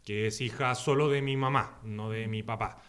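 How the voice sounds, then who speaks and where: A man's voice: fairly low pitch, fairly even intonation, normal speed, fairly bright tone, clean tone. A man from Santiago with a Chilean Spanish accent, recounting his childhood casually as a podcast guest, hesitant and full of fillers. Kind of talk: casual chat.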